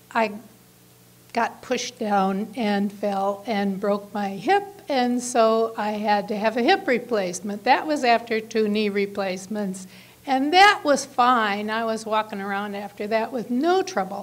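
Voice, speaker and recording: Here a woman with an American accent speaks at a fairly slow pace and fairly high pitch. Hers is an unremarkable speaking voice, with ordinary pitch variation. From Chicago area. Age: 60s. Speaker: patient. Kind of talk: testimony.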